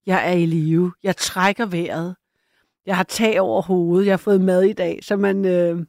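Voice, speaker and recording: A woman's voice: lowish voice, steady tone, a little mellow, no room sound, studio quality. A woman hosting a late-night call-in radio show, chatty and a little hesitant, laughing easily with callers.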